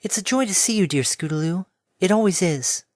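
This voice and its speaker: A man reading an audiobook, voicing a gentle, soft-spoken female pegasus pony in a sweet, breathy way. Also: sits high, lively intonation, a little fast, no echo, clean studio sound, pitched above the performer's own voice. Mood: gentle cheerful.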